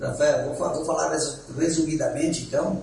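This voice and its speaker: A man speaks at a fairly slow pace. There is audible room echo and noticeable background noise. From Santa Catarina, Brazil (Taió, rural interior). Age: 50s. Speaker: entrepreneur. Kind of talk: interview. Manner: halting, many fillers.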